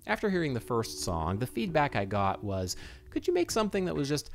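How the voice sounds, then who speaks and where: A man in his thirties talking casually to camera in an animated way, explaining as a video host, close to a microphone in a small home room. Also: mid-range voice, fairly quick, creaky. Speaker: video host and game music composer. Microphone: microphone on a stand close in front.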